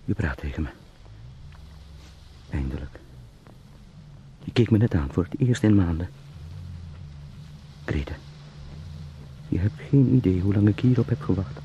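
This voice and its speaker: A man's voice: low voice, animated, unhurried, pauses often, warm tone, lo-fi sound, slight background noise. An actor playing an anguished, pleading young salesman turned beetle in a radio drama, brooding and emotional. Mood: tender longing.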